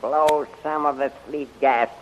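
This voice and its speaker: A muffled old radio recording with faint hiss carries a man acting as a commanding rebel general. He speaks slowly and deliberately, with firm authority, in the manner of a 1930s adventure serial. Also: a little high, steady tone, close to an everyday voice. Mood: resolute. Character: commanding rebel general loyal to his queen.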